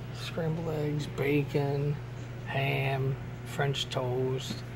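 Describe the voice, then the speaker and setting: A woman speaks at a very slow pace. Noticeable background noise sits behind her. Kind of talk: casual vlog chat. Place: kitchen. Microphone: phone near.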